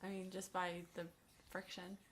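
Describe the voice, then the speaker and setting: A woman's voice: on the low side, completely flat delivery, normal speed, fairly bright tone, slight background noise. A woman chatting casually as the artist of the video, playful and self-deprecating about her work. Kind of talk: casual chat over art footage.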